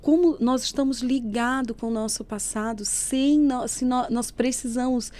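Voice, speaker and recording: A woman telling an emotional personal faith testimony as a podcast guest. She tells it as a lively story, acting out what people said. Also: on the high side, normal speed. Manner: lively storyteller who acts out quoted speech. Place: podcast studio.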